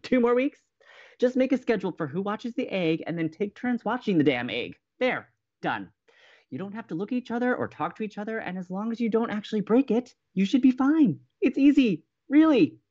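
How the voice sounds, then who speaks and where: A woman's voice: medium pitch, expressive, fairly quick, dark tone, muffled recording, close to an everyday voice. A woman playing an easily exasperated young college radio co-host in an audio drama, with an emphatic, melodramatic manner.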